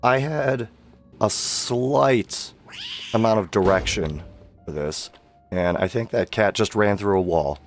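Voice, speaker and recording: A man's voice: fairly low pitch, slow, soft background music. A man giving casual live-stream game commentary, his voice worn from sickness and hours of streaming. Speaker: streamer, amateur voice actor.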